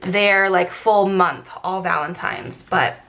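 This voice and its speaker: A woman's voice: fairly low pitch, takes it slowly, creaky, fairly bright tone. A woman with a stuffed-up, blocked nose and slightly scratchy throat, narrating a craft vlog in a casual, informal, rambling way. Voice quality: congested, blocked-nose sound. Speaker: planner vlogger.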